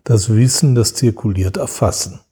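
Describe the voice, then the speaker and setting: Low, dark, husky-voiced male academic. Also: normal speed. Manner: lecturing, searching for words with many restarts and fillers. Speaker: guest expert on Islamic history. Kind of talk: academic interview talk.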